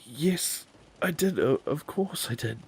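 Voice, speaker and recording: A man's voice: on the high side, expressive, slow, breathy edge, pitched above the performer's own voice, exaggerated voice. A man voicing an anxious young man who stammers and defends himself to his partner. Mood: nervous.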